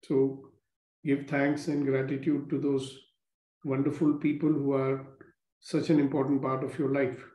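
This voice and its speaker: A man leading a guided gratitude meditation, speaking slowly and calmly with repeated phrases. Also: mid-range voice. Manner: slow, calm, repetitive instructions. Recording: roomy, dull lo-fi recording.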